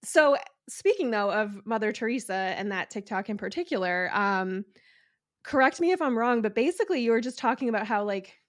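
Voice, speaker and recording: A woman's voice: a little high, expressive, brisk, no echo, clean studio sound. A woman hosting a podcast, chatting casually and hesitantly with lots of likes and ums. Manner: hesitant, filler-heavy, with many likes and ums. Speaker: podcast host and attorney.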